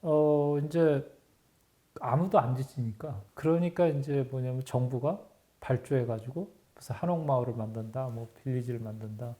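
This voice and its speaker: A man's voice: mid-range voice, moderate pace, mellow. A man, a hotel chairman, giving earnest and critical answers in an interview.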